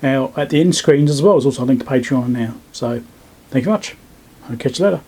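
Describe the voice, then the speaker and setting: Working at an indoor bench, a man walks viewers through an electronics repair, talking casually and voicing his thoughts as they come. He has a warm, mid-range voice with a breathy edge and a fairly quick pace.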